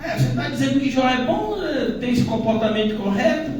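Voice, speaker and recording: A man's voice: extremely high pitch, lively intonation, a little fast, noisy background, voice pushed up. A man voicing Satan as a whining, complaining male spirit, in grumbling, aggrieved tones. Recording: echoey church hall, distant mic.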